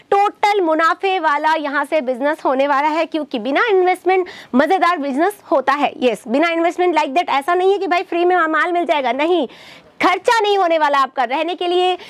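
High-voiced upbeat saree shop presenter woman. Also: no echo. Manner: upbeat sales patter addressing viewers as friends. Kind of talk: promotional product showcase. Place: saree shop lined with stacked fabric, indoors.

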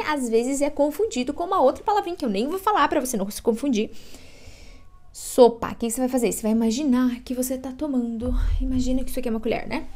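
A Brazilian woman in her thirties teaching an online English lesson. She says each word slowly, draws it out and repeats it, recorded on a webcam at a desk in a room at home. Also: high-pitched, darkish tone. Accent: Brazilian Portuguese. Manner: slow, drawn-out modeling of words, repeating each one.

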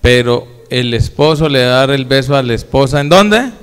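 In an echoey church hall with long reverb, a male pastor preaches a sermon in a folksy, casual way, speaking to his congregation directly and asking them questions. His medium-pitched voice is expressive and clean, at a normal speed.

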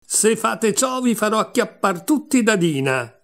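A man voicing a curious, clever young girl in a storybook reading, with a lively, raised voice. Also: medium pitch, moderate pace, lightly acted. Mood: defiant.

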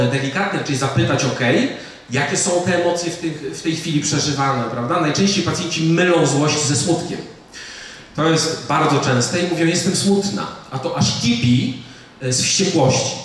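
A middle-aged man gives a public lecture in a museum hall, talking conversationally and checking in with his listeners. His voice sits a little high for a man. He is picked up from some distance, with a strong echo off the room. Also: a little hiss or hum. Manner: conversational, with fillers and rhetorical "prawda?". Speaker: psychiatrist giving a public lecture. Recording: echoey hall, speaker far from the mic.

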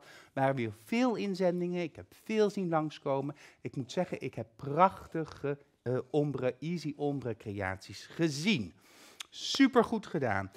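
A woman's voice: low voice, a little mellow. A woman hosting a live online nail workshop, enthusiastic as she reads out viewer comments and chats with her guest. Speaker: workshop host.

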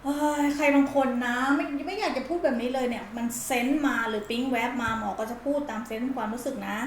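Tarot reader lady, kinda high voice, blunt slangy and dramatic, echoey room. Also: fast, a little hiss or hum. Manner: dramatic, acts out the listener's feelings in first person. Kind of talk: casual pick-a-card tarot reading. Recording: roomy echo.

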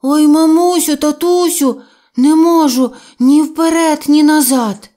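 A woman's voice: medium pitch, a little slow, warm tone, natural voice. Woman reading as a storybook bear cub, male, greedy, good-natured, eager, stammering. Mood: wailing.

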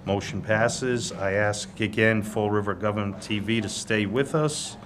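Low-voiced man chairing a hearing. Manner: measured, procedural, deliberate. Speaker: licensing board chair. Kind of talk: formal meeting procedure. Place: city hall hearing room. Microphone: table microphone. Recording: noisy government TV meeting audio.

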